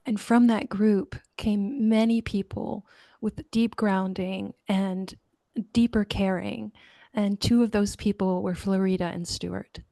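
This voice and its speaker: A woman hosts a webinar over a video call, introducing speakers in a measured way. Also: mid-range voice, fairly even intonation, creaky, dark tone, dry recording. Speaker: webinar host.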